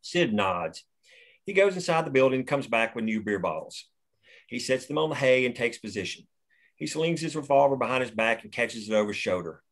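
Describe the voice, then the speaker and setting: A man reading the action lines of a screenplay aloud at a table read, steady and plain. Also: medium pitch, brisk. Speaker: narrator reading stage directions.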